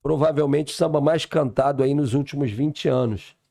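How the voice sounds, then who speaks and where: A man's voice: mid-range voice, moderate pace, creaky, over loud music. A man, a samba songwriter chatting and telling stories on a podcast. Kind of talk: casual podcast chat.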